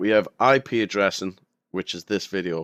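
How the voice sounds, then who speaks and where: Over a quiet background, a man with a northern English accent speaks at a moderate pace in a dry, close sound with no echo. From northern England. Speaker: gaming tutorial creator. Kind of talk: tutorial. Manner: casual.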